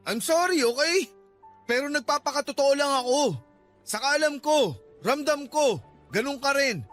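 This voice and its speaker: A man's voice: very high-pitched, expressive, moderate pace, fairly bright tone, faint music behind. A young man acting an irritable, defensive student boyfriend in a radio drama, exasperated, insistent and pleading.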